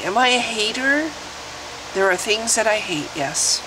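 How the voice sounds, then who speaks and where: With an American accent, the speaker goes at a fairly slow pace over noticeable background noise. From Midwest.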